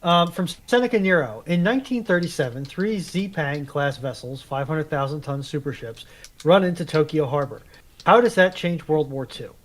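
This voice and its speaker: A man's voice: on the high side, lively intonation, moderate pace. A man co-hosting a casual live chat and reading out audience questions, with slight noise on the recording.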